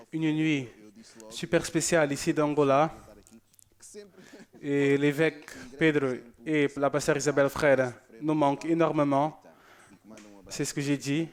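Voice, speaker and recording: A man presenting a church show, chatting casually and joking as he reads out viewer messages. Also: on the high side.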